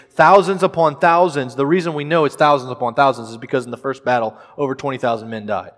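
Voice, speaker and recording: A man's voice: on the high side, fairly bright tone, big-room sound. A man preaching a sermon, earnest and emphatic, repeating phrases for stress.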